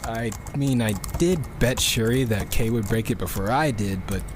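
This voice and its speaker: A man's voice: lowish voice, normal speed, background noise, natural voice. A man playing a geeky, exasperated rocket programmer who rambles and swears through a casual audio log in a sci-fi drama. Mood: flustered. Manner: rambling, self-interrupting, swearing.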